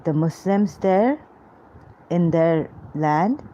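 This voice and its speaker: Slow, low-voiced woman, halting monologue. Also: animated, dark tone. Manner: halting, many pauses and fillers. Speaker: vlogger. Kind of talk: rambling personal monologue. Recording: dull lo-fi recording with faint noise.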